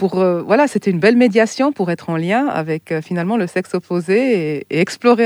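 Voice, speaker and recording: A fairly quick woman's voice, medium in pitch with ordinary variation, on a very clean recording with a silent background. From Switzerland, Bern (French-speaking). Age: 40s. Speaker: visually impaired athlete. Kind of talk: personal testimony interview. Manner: hesitant, with repetitions.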